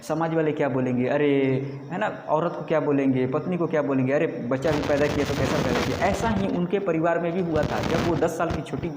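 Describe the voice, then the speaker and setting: A man's voice: on the high side, steady tone, background noise. A man in his twenties telling a story to camera in an emphatic, motivational way, asking questions and answering them himself, repeating phrases for effect. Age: 20s. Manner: rhetorical, asks and answers his own questions; emphatic repetition, drawn-out phrases. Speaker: YouTube creator. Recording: echoey room with long reverb.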